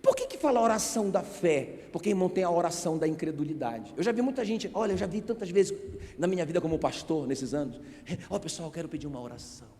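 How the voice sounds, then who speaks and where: A man preaching a sermon as pastor, emphatic, asking the congregation rhetorical questions and calling on them to shout back. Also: sits high, animated, fast talker. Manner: asks the crowd rhetorical questions. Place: church sanctuary. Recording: reverberant church hall.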